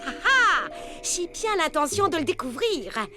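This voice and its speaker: An excitable cartoon sleuth, a young woman who throws herself into every case. Her voice sits very high and leaps around dramatically. Loud cartoon music plays under her lines. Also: unhurried, full character voice. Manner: theatrical, dramatic exclamations. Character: Baba Hortensia, excitable young woman fancying herself a detective. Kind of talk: French cartoon dub.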